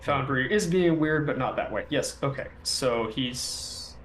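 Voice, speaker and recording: A man's voice: mid-range voice, lively intonation, a little slow, fairly bright tone. A man talking casually as a player in a role-playing game. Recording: echoey room, faint background noise.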